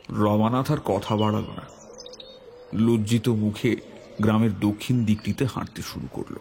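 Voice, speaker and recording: A man narrating a scripted horror tale in the first person, with measured, literary storytelling. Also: mid-range voice, darkish tone, slight background noise.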